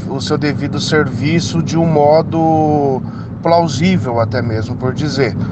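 Noticeable background noise and audible room echo around a male voice of fairly high pitch. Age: 30s. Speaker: radio listener. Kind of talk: voice message to radio show. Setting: recorded audio message.

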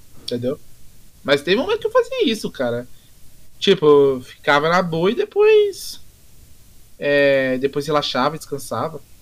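Here a man speaks in a high voice at a moderate pace. His intonation is lively. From Brazil, São Paulo city. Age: 20s. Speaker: podcast guest. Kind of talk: casual chat.

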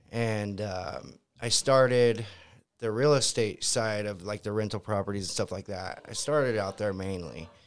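A man with an American accent has a normal speaking voice at a fairly low pitch with ordinary pitch variation, on a very clean recording with a silent background. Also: moderate pace. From California. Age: 30s. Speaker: real estate investor, contractor. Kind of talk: casual interview.

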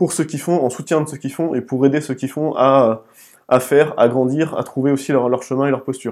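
Fairly high-pitched and fairly quick, a man talks in a very clean recording against a silent background. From Alsace and the Vosges, France. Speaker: design coach. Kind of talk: interview. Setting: in person at his workplace in Paris. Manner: hesitant, many fillers.

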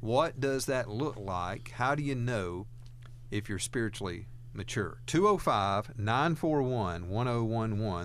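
A man talks with a Southern US accent. His pitch varies in an ordinary way. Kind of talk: radio call-in show. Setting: studio.

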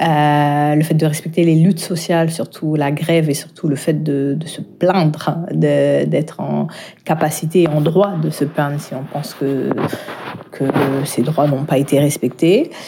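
Over noticeable background noise, a woman with a very deep, low pitch talks at a fairly slow pace with fairly even intonation. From Val-d'Oise, Paris suburbs. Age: 30s. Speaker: afrofeminist activist and essayist. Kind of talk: personal testimony interview. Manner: hesitant, many fillers.

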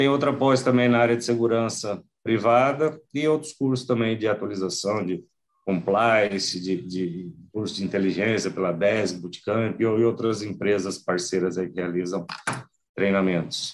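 Speaking fairly slowly, a man with an unremarkable speaking voice keeps a fairly low pitch and ordinary pitch variation. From Cuiabá, Mato Grosso, Brazil. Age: 30s. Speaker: logistics security manager, army veteran. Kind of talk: interview. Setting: live online stream.

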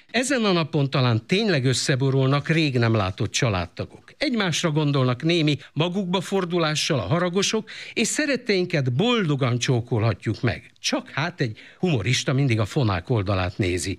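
With hardly any pauses, a man swings his pitch very widely on a very clean recording with a silent background. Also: fairly high pitch for a man, moderate pace. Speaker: comedian. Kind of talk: stand-up comedy.

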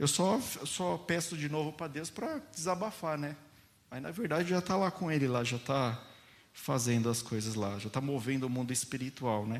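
A soft-spoken man with a fairly high pitch and lively intonation talks at a moderate pace, with audible room echo. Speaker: pastor. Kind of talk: sermon.

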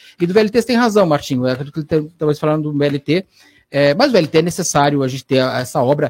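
In a dry, close sound with no echo, a man with fairly high pitch speaks at a fairly quick pace with lively intonation. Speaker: business director. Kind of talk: radio panel discussion.

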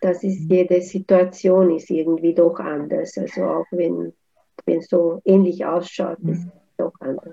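A woman with a Hungarian accent talks at a fairly slow pace, her fairly low pitch carrying a dark, mellow tone. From Romania, Hungarian-speaking region. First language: Hungarian (speaking German). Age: 50s. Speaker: yoga teacher. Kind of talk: interview. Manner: hesitant, many fillers.

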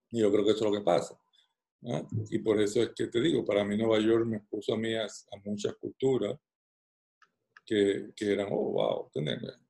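Long pauses come often. Between them, the speech keeps a moderate pace. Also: man. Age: 50s. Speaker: professor and podcast co-host. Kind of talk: casual chat.

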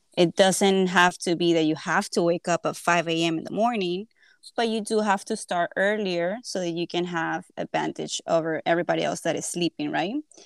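A woman with a Spanish accent talks at a moderate pace in a fairly low pitch. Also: fairly even intonation, dry, close sound with no echo. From Venezuela. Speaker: realtor. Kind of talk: interview. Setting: video call.

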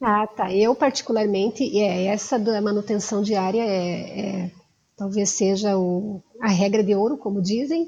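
With an unremarkable speaking voice, a woman talks at a medium pitch and varies it in an ordinary way. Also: fairly slow pace. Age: 40s. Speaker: lawyer and language enthusiast. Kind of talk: interview.

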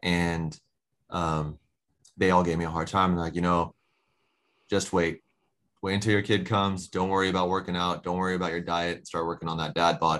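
A man with a Californian accent, very deep and low in pitch, monotone and flat, at a fairly quick pace broken by long, frequent pauses, over a quiet background. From Southern California. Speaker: apparel business owner. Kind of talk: interview.

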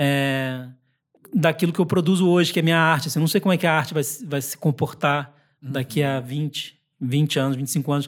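On a very clean recording with a silent background, a man talks at a fairly quick pace. His pitch is fairly high and his intonation fairly even. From Chad and Cape Verde, Brazil from age 12. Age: 30s. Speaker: writer and poet. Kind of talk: casual chat. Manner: halting.

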